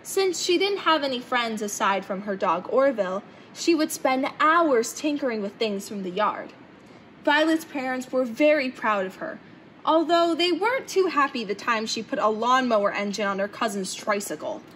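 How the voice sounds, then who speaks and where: Young woman, high voice, children's story read-aloud, clear background noise in the room. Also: animated, normal speed, a bit bright, poor audio. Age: young adult. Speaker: storybook reader. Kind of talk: reading a children's picture book aloud. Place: indoor hangar-like museum room, seated in open cockpit.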